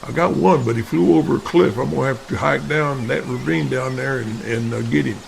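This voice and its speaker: Gravelly, folksy hunting buddy, played by a man. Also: mid-range voice, fairly quick, a little hiss or hum. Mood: casual. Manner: folksy, casual. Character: easygoing hunting buddy, eager, curious, folksy. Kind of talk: audio drama dialogue.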